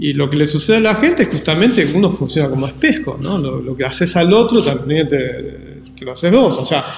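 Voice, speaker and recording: A man with a Rioplatense accent, fairly high-pitched and lively in intonation, at a moderate pace, with audible room echo and noticeable background noise. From Buenos Aires, Argentina (La Boca). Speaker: butoh dancer and performance artist. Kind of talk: interview conversation. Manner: halting, many repetitions and fillers.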